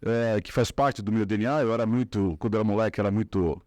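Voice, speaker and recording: Talking fast in a lowish, steady, darkish voice, a middle-aged Paulistano guest in a casual interview meanders through his family history with many fillers and false starts. He is from São Paulo, Brazil, and the studio-quality audio has no room sound.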